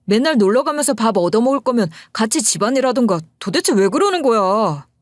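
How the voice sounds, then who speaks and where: A woman's voice: on the high side, expressive, fairly quick, no echo, studio quality, lightly acted. Woman voicing an exasperated young husband. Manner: indignant, blunt.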